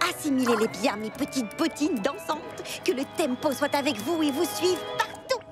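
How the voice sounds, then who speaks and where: A woman voicing an excitable, boastful young girl inventor in a French-language cartoon, with theatrical, exclamatory delivery. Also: sits high, moderate pace, lightly acted. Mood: proud, eager. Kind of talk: French-language animated series dubbing. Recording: loud music behind the voice.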